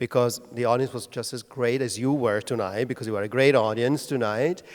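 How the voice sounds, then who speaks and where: A man with an Italian accent at a fairly quick pace. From Italy. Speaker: ballet master. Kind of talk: post-performance onstage discussion.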